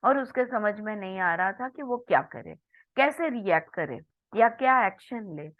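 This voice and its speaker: A woman leading a book study, reading English lines slowly and then explaining them briskly in Hindi. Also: medium pitch, lively intonation, dry recording. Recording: tinny phone-line audio, dry.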